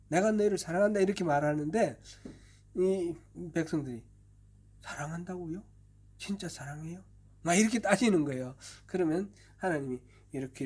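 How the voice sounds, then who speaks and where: Male pastor, husky and fairly high-pitched; patient, explanatory Bible teaching with frequent throat clearing. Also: a little mellow. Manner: explanatory, patient, many fillers; often clears his throat. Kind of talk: expository Bible teaching sermon. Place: church service.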